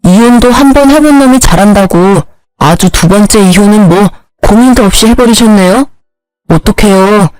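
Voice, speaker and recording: A woman's voice: mid-range voice, normal speed, a little mellow, dry recording, soft background music, natural voice, low-quality recording. Brief: woman voicing a clever young son, cold and mockingly polite, dry audio story.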